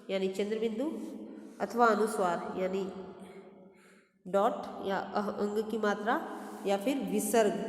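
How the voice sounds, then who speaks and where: A woman teacher slowly working through a textbook exercise, spelling out words and correcting herself as she goes. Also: medium pitch, a little mellow. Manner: slow, deliberate word-by-word dictation with self-corrections. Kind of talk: step-by-step textbook lesson. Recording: echoey room with long reverb.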